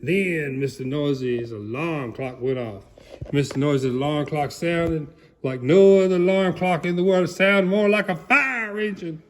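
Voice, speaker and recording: A man voicing a folksy, excitable country alligator, giving a theatrical comic storybook reading. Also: fairly high pitch, unhurried, slight background noise, lightly acted. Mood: hammy, excited. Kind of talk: dramatic storybook reading, played for comedy.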